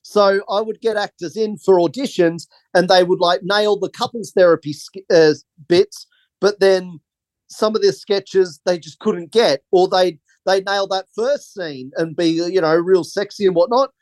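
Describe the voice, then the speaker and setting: A man's voice: high voice, unhurried, darkish tone, no room sound. A man, a film director, rambling through anecdotes in a casual interview and laughing often.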